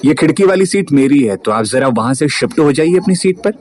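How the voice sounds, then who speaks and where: A man voicing a bossy young woman with a loud, harsh, commanding voice in a storybook reading. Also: fairly high pitch, lively intonation, a little fast, slight background noise, lightly acted. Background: music.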